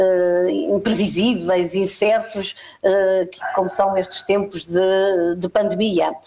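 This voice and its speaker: This woman speaks very slowly. Her voice rests at a medium pitch. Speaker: politician. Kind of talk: political debate. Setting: live-streamed studio debate.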